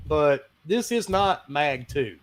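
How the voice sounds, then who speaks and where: High-pitched guy co-hosting a gaming show, animated, laughs often. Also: takes it slowly. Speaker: podcast co-host. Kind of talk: casual gaming chat.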